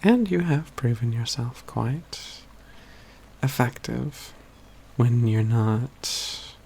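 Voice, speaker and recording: A man playing a wry, self-assured, caring mage companion in a soft, breathy, near-whispered ASMR fantasy roleplay, with measured, formal phrasing. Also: mid-range voice, expressive, slight background noise, heavily acted. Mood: warm, wry.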